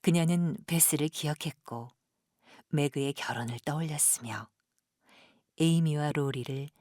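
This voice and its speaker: A woman narrating a literary audio drama in a hushed, solemn, lyrical manner with a breathy voice. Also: deep voice, unhurried, no room sound, studio quality.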